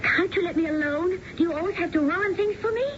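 An actress playing a shrewd, skeptical mistress in a radio drama, with a teasing, sardonic and expressive delivery. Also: female voice, very high voice, fairly quick. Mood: bitter. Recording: muffled, noisy old radio broadcast.

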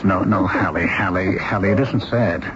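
A man playing an earnest, tender man in a radio drama, speaking with gentle, dramatic insistence. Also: low-pitched, normal speed, natural voice. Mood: earnest pleading. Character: earnest, tender man consoling a distraught woman. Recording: dull lo-fi radio recording, hissy.

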